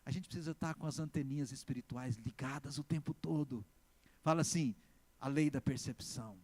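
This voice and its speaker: Preaching as a pastor, a man with a Brazilian Portuguese accent speaks in a mid-range voice. He emphatically alternates loud exclamations with slow, stressed words, continually asking the congregation to answer.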